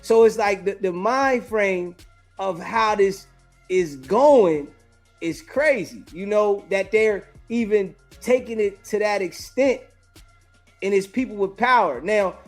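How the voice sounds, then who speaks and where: High-voiced man hosting a call-in show. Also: animated, slow, faint music behind. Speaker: talk show host. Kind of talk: casual call-in discussion.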